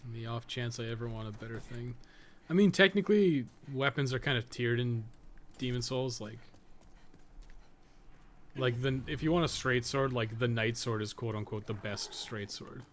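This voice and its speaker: A man with a mid-pitched voice gives casual running commentary while playing a game. He talks informally and swears freely, often muttering to himself. A faint background noise sits behind his voice. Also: moderate pace. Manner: profane, informal, muttering to self. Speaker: gaming podcast co-host.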